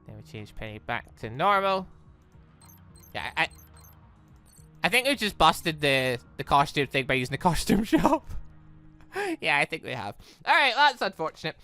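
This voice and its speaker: An excitable, chatty let's player giving casual reaction commentary on a video game. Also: medium pitch, normal speed, pauses often, faint music behind.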